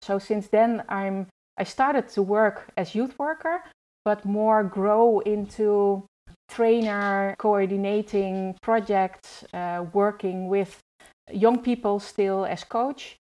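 Woman, 40s, podcast guest; mellow, relaxed tone, halting delivery with many pauses. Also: mid-range voice, low-quality recording. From Netherlands. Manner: hesitant, searching for words. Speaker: youth trainer and guest. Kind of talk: podcast conversation.

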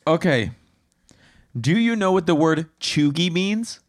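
A man's voice: on the high side, animated, unhurried. A man co-hosting a casual podcast chat, teasingly quizzing his co-host on slang.

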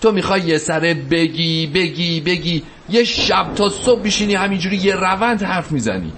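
An actor playing a weary, blunt companion who speaks cuttingly and with exasperation. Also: male voice, sits high, lively intonation, background noise. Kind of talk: drama acting.

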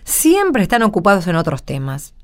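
A woman's voice: fairly low pitch, huge pitch swings, moderate pace. Woman acting a modest, discouraged Argentine countrywoman. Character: modest, discouraged rural married woman neighbour. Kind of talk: radio drama dialogue.

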